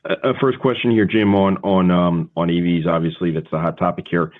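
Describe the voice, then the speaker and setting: A man working as a financial analyst, asking a halting, rambling question on a conference call. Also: low-pitched, fairly even intonation. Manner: halting, rambling, full of repeated words. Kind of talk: unscripted question on an earnings call. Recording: thin, band-limited phone line.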